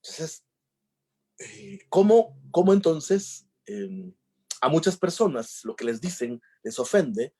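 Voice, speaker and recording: A man's voice: on the high side, very animated, slow pace, a little mellow, breathy edge. A man giving a talk on emotional intelligence, telling jokey stories and acting out the dialogues. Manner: jokey storyteller, acts out dialogues. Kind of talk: conference talk with anecdotes.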